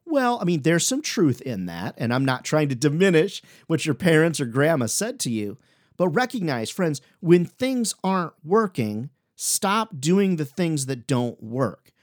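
A man's voice: on the high side, sing-song, unhurried. A man hosting as a sales coach, giving upbeat, organized motivational advice with emphatic, direct address to the listener. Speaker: sales coach and podcast host.

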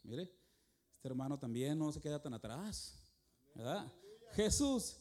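A man's voice: mid-range voice, unhurried, mellow. A middle-aged man preaching in a church, folksy and joking, calling his listeners "brother" as he talks between songs. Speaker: traveling worship singer and preacher. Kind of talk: sermon.

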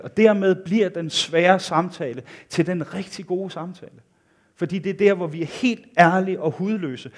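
A man preaching a sermon in an earnest, intimate way, his voice rising for emphasis and dropping quiet at the ends of thoughts. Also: fairly high pitch.

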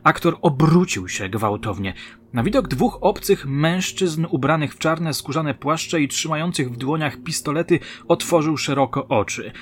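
A man reading his own crime story aloud in measured, dramatic narration. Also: a little high, lively intonation. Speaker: author and narrator.

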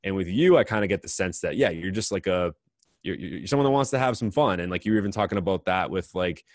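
A man interviewing a singer in casual chat, rambling with many halting restarts. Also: low voice, lively intonation, no echo, clean studio sound.

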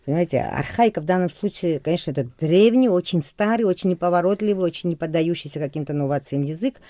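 A woman from Georgia whose first language is Georgian, a singer and songwriter talking as a guest in a radio interview, expressive and musing. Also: lowish voice, fast, no room sound. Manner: expressive, musing, laughs easily.

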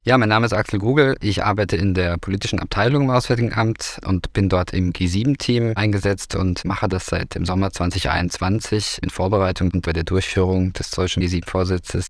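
A man's voice: low-pitched, no echo, clean studio sound. A man speaking as a guest on a podcast panel in a businesslike way. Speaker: ministry policy officer, panel guest.

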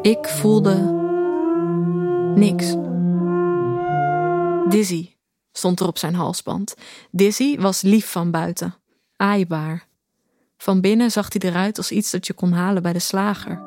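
An actress as an introspective woman narrating a radio play over clearly audible music. Her delivery is deadpan and reflective, keeping an emotional distance from what she tells. Her pitch sits in the middle for a woman. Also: slow, pauses often, dry recording, clean studio sound. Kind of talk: scripted first-person audio drama narration.

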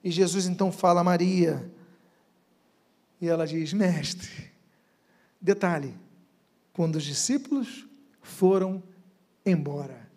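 Male pastor, high tenor, sermon with dramatic loud-soft swings. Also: expressive, moderate pace, pauses often. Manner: dramatic, sweeping shifts between loud and hushed.

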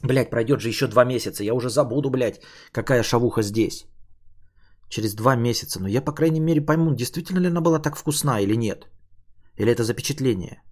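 A podcast host in his thirties muses aloud in a rambling solo monologue, speaking quickly in a mid-range voice. He swears casually and drifts between livelier and quieter stretches.

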